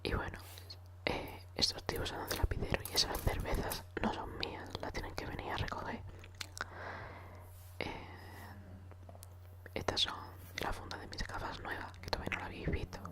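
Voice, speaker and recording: Whispering at a moderate pace with long, frequent pauses, a woman with a Spanish accent is heard over noticeable background noise. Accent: Spanish from Spain. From Extremadura, Spain. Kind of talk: ASMR room tour. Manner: soft-spoken, whispered.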